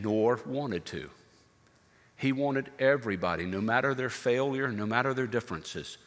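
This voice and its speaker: A male pastor telling a story in a sermon. He is dramatic, sinking to a hush and then rising loud. His bright voice rings with the long echo of a church sanctuary. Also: medium pitch. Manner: dramatic, shifts from hushed to loud.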